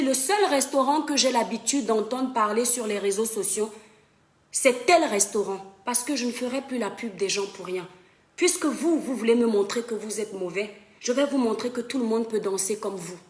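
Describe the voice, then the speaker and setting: A woman's voice: a little high, moderate pace, echoey room. A young woman talking straight to her viewers in an impassioned live-stream monologue. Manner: impassioned, addresses viewers as "mes étoiles". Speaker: social media live streamer. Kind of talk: emphatic Facebook live monologue. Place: home in western France.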